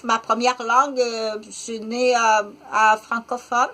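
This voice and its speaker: Woman, 50s, Québécois accent, unscripted vlog monologue, halting and rambling, slightly high voice. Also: level tone, bright, forceful tone. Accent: Québécois French. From Quebec, Canada. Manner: rambling, halting, many "euh" fillers and restarts. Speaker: vlogger.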